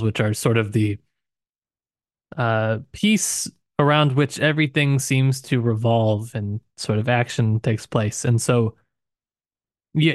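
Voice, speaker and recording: A man's voice: medium pitch, no room sound, clean studio sound. A man co-hosting a podcast, thinking aloud informally in a casual discussion of literature. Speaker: podcast co-host.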